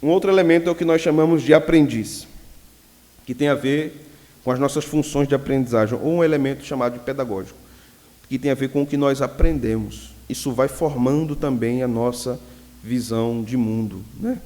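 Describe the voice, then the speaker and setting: A man's voice: medium pitch, a little fast. A man preaching as a pastor, teaching and telling jokey stories from his own life. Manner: lively storyteller who jokes with the audience. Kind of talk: teaching sermon with personal anecdotes. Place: church hall. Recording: long reverb of a church hall.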